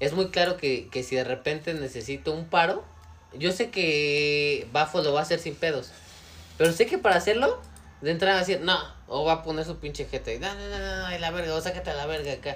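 A man speaks in an ordinary speaking voice. His pitch is fairly high, with ordinary pitch variation. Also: fairly quick pace. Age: 20s. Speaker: office worker. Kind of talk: casual chat.

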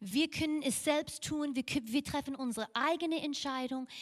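In an English accent, a woman talks at a very slow pace with a high pitch. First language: English (speaking German). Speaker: pastor. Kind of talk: sermon. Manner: halting.

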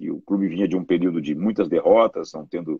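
At a moderate pace, the voice comes across dry and close with no echo. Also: man. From southern Brazil, Porto Alegre. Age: 60s. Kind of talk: casual interview.

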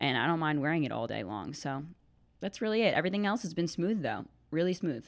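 A woman with a fairly low voice and vocal fry, at a very fast pace with very wide pitch swings, on a very clean recording with a silent background. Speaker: podcast co-host and business owner. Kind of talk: casual chat. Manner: fast talker.

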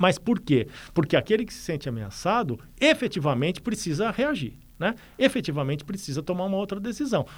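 Speaking at a fairly quick pace, a high-pitched man swings very widely in pitch and greatly in loudness, on a very clean recording with a silent background. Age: 50s. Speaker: journalism and oratory professor. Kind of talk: interview. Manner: halting, many repetitions.

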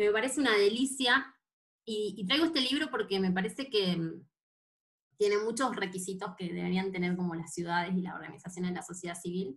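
A woman speaks at a medium pitch, her voice somewhat breathy. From Salta, northwest Argentina. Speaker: cycling activist. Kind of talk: interview.

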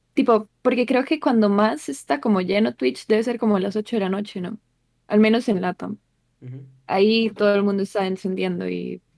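A woman's medium-pitched voice with lively intonation at a moderate pace, dry and close with no echo. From Costa Rica. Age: 20s. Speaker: streamer. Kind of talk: casual chat.

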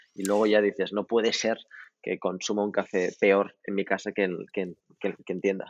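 Recorded dry and close with no echo, a man speaks at a moderate pace. His pitch is fairly low, and the background is quiet. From Barcelona, Spain (born in France to Moroccan parents). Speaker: coffee chain founder, architect. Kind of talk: interview. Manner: halting, many repetitions.

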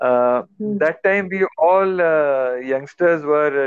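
Speaking with a Kannada accent, a man uses ordinary pitch variation. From India. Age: 60s. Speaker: family elder recounting memories. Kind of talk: family interview.

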